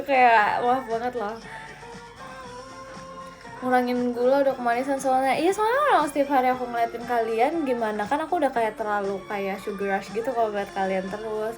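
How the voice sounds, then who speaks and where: A young woman in her twenties with a high, light voice chats on a live stream, answering viewer comments in a teasing, giggly way. Faint music plays quietly underneath. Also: fairly quick. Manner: giggly, playful, teasing, frequent laughter. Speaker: idol livestreamer.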